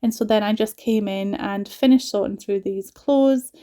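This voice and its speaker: Chatty mellow woman, soft Geordie-Scottish mix. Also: medium pitch, moderate pace. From northeast England. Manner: chatty, rambling, frequent "like" asides. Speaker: home vlogger and mother. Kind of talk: casual voiceover narration. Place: at home, recorded as a voiceover.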